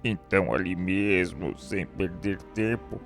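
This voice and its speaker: A man's voice: sits low, music in the background. An actor playing a tormented, remorseful man confessing to murder and suicide in anguished, declamatory radio drama style. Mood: horrified remorse. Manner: anguished, declamatory, drawn-out delivery.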